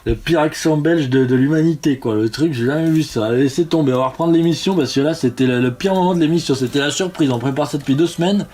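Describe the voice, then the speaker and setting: A man giving excitable, mock-dramatic commentary on a game livestream. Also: fairly high pitch, fast talker, hardly any pauses, slight background noise.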